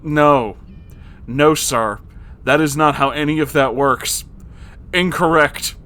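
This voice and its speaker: A man reading a story aloud as host and reacting to it, with an expressive, exasperated and sarcastic manner. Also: a little high, slow pace, smooth. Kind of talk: story narration with reaction commentary.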